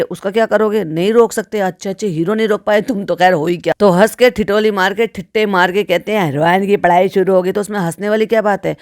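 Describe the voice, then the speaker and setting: Woman, commentator, sarcastic, scolding, mid pitch, dry close recording. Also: no echo. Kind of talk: reaction commentary.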